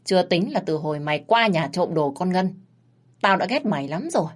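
A woman voicing a fierce, foul-mouthed young woman who shouts coarse curses. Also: fairly low pitch, expressive, fairly quick. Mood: threatening.

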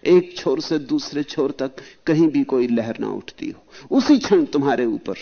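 A man delivers a devotional spiritual discourse, speaking slowly and lingering over his phrases as he recites verses, then rising suddenly into high, emphatic lines. He's animated, with vocal fry, and the sound is lo-fi.

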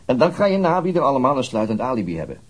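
A man's voice: medium pitch, very animated, rapid-fire, husky, poor audio. A man playing a methodical middle-aged police detective and father in a naturalistic radio drama, dryly reasoning things through. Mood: patient, reasoning.

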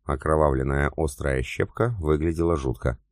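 Male audiobook narrator, extremely low voice, dry close sound. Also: moderate pace, no room sound. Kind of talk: scripted narration of a war novel.

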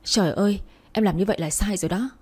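A woman's voice: medium pitch, quick pace, darkish tone, husky, natural voice. A woman voicing a stern young man who keeps scolding and urging his girlfriend, in a storybook reading. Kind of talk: storybook narration.

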